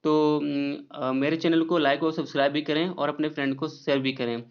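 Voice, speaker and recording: A man explains spelling rules in a high, smooth voice. He spells out letters slowly and keeps checking in with his viewers. The recording sounds dull and lo-fi. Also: level tone. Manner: repeats "ठीक है" often, slow spelled-out letters. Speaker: English spelling teacher.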